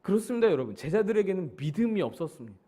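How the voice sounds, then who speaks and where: A man's voice: sits high, sing-song, very fast, warm tone. A male pastor teaching a Bible study sermon in a church, explaining words and stressing key points emphatically.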